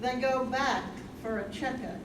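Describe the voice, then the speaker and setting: A woman playing a plain, measured storyteller, narrating a scripted drama in a staged reading. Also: sits high. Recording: echoey distant stage recording, clear noise.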